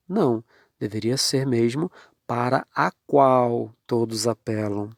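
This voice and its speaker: A man teaching a grammar lesson, speaking deliberately and repeating the key terms for his students. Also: medium pitch, no room sound, studio quality.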